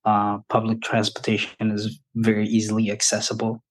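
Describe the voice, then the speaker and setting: A man in his thirties from Ethiopia, a podcast guest speaking in an unhurried, thoughtful way about his life. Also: fairly low pitch, monotone. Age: 30s. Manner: unhurried, thoughtful, restarts often. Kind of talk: casual interview.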